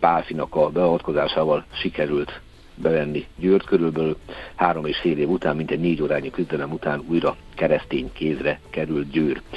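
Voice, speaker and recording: The delivery moves at a fairly quick pace. Its intonation is fairly even. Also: man. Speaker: historian. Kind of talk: phone interview. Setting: phone call. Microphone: breaking up connection.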